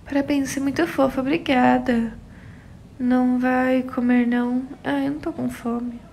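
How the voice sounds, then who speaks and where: With a high, level, slightly mellow voice and some creak, this young Brazilian livestream host from São Paulo chats casually on her phone at a moderate pace. She reads comments aloud and answers viewers by name, with a bit of background noise present.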